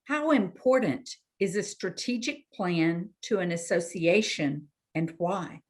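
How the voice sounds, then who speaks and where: A woman's voice: on the low side, takes it slowly. Formal woman moderator. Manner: brief, formal questions.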